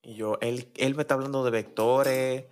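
Man, Dominican accent, mid-range pitch, slangy banter, casual storytelling, podcast co-host. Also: steady tone, moderate pace, crowd noise.

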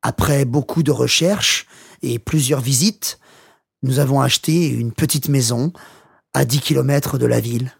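An actor playing a retired English teacher in his sixties, reading a scripted journal in measured, simple learner's French. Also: medium pitch, gravelly, husky, no echo, clean studio sound. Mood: content, reflective. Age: 60s. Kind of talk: scripted first-person journal read aloud for language learners.

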